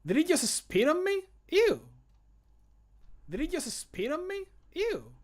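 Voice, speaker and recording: A man's voice: extremely high pitch, very animated, slow pace, voice pushed up, exaggerated voice. A man voicing an irritated, disgusted fantasy game character who hurls insults in a scornful, exclaiming way. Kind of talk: video game mod voice acting.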